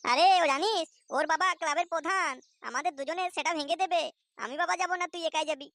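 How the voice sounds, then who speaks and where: High-voiced, fast cartoon boy sidekick. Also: bright, forceful tone, no room sound, studio quality, heavily acted. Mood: wary, reluctant. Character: wary, easily tempted young boy, sidekick in comedy cartoon. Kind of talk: comic cartoon dialogue.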